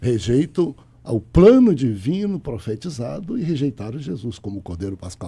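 A man's dark, mellow voice with vocal fry, very wide pitch swings and a fairly slow pace. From northern Brazil. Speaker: pastor. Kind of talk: radio debate. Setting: radio studio. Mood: earnest, firm conviction. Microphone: studio mic.

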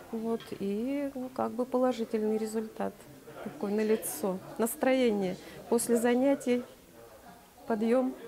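A woman speaks very slowly with long, frequent pauses and fairly even intonation, while noticeable background noise runs underneath. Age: 60s. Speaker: retiree, rehabilitation patient. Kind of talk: testimonial interview answer. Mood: calm, warm, positive. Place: gym. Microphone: camera far.

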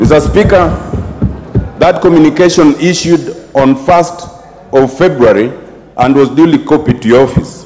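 A man with a Kenyan accent and a fairly high pitch, at a fairly slow pace, with light background noise. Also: ordinary pitch variation. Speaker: member of parliament. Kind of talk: parliamentary oratory, formal point of order. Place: hall. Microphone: podium.

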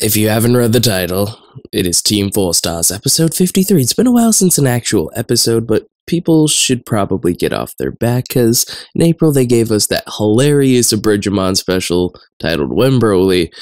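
This man uses lively intonation against a quiet background. The sound is dry, with no echo. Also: moderate pace. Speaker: reaction video creator. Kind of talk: casual vlog chat. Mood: mildly ranting, playful. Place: home room. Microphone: studio mic.

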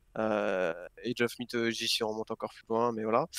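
A man's medium-pitched, monotone, flat voice on a very clean recording with a silent background, dry and close with no echo. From Switzerland. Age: 20s. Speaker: esports player. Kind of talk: interview. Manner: halting.

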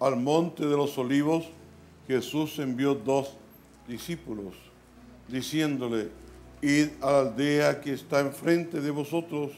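There is light background noise as a man speaks. He keeps a very slow pace and fairly even intonation. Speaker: pastor. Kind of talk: scripture reading in sermon. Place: church. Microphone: podium.

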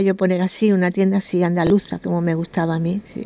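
A woman of medium pitch at a fairly quick pace, flat and monotone in a dry sound with no echo. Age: 70s. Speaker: flamenca fashion boutique owner. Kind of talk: interview; interview answer. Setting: boutique. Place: shop. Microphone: handheld.

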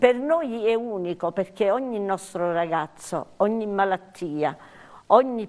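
The woman's intonation is lively. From Basilicata, southern Italy. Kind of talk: TV interview. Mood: earnest, aggrieved. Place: studio. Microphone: lapel.

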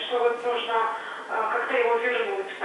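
Strong room echo and noticeable background noise surround this recording. A woman with a high pitch speaks at a fairly quick pace. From Ukraine. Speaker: caller. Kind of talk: phone-in question. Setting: phone call. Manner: halting. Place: meeting room. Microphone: camera far.

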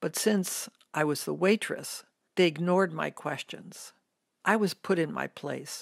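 A woman with an American accent speaks at a fairly slow pace. Her pitch is fairly low, with vocal fry. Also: ordinary pitch variation, dry, close sound with no echo. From US Northeast (New Jersey). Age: 70s. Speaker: filmmaker and commencement speaker. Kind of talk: commencement speech.

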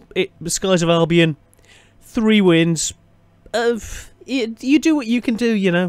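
A man with a British accent and a high pitch speaks fairly slowly, using lively intonation and long, frequent pauses. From Britain. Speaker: gaming YouTuber. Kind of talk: gameplay commentary.

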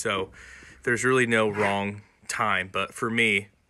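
The man has an unremarkable speaking voice, fairly low in pitch. His intonation stays fairly even. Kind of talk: casual farm tutorial narration. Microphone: phone near.

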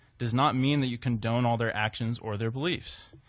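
A man talks at a fairly quick pace with an American accent. The background is quiet. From Moscow, Idaho, US; Idaho. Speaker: resident giving public comment. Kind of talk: public comment at city council meeting. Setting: city council meeting. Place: hall. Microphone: podium.

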